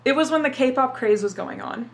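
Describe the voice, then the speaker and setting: A young woman from Dubai, Arabic her native tongue, answers questions casually in an interview, cursing freely and using "like" often. Her gravelly voice sits high, with lively intonation and a moderate pace.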